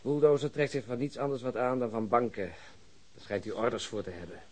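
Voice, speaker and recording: A man acting as a male police detective in a radio crime drama. He lays things out drily and matter-of-factly, in a middling male pitch. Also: a little fast, darkish tone, natural voice. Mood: wry, explaining. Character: male Stockholm police detective explaining a case, matter-of-fact.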